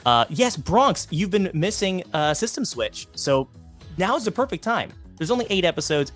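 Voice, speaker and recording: A man co-hosting a livestream, eagerly pitching his podcast and pleading with viewers for support. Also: sing-song, moderate pace, a bit bright, faint music behind. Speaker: podcast co-host.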